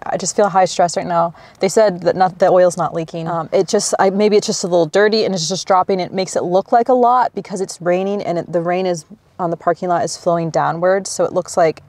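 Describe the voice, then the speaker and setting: A woman's voice: medium pitch, dry recording. Young woman vlogger, twenties, nervous rambling self-talk to camera, arm's-length camera mic in a car, music bed underneath. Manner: anxious, rambling with many restarts and fillers. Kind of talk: casual vlog talk to camera. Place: inside a car, then a small cabin and outdoors. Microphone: handheld camera at arm's length.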